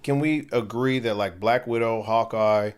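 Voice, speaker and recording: A man's voice: medium pitch, normal speed, clear, resonant tone. A young man co-hosting a podcast, chatting casually in a laid-back, slangy, joking way. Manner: laid-back slangy banter, jokey asides. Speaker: podcast co-host. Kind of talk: casual chat.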